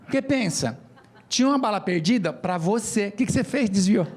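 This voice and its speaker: São man, lively comic storyteller, high voice, slangy. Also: a little fast. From São Paulo, Brazil. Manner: animated, joking, slangy. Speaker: speaker at an event. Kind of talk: comedic storytelling talk. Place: stage at a conference.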